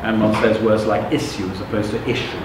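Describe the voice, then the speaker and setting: A man's voice: on the low side, level tone, brisk. A middle-aged man from England, a native Russian speaker, telling his life story to a live audience as a motivational speaker. He talks frankly and conversationally, often checking whether listeners follow. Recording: very echoey room with background noise.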